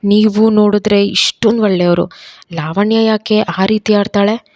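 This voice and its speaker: A woman's voice: medium pitch, steady tone, moderate pace, a little mellow, dry recording, clean studio sound, close to an everyday voice. A woman voicing a kind, earnest young woman who talks in eager, rising questions.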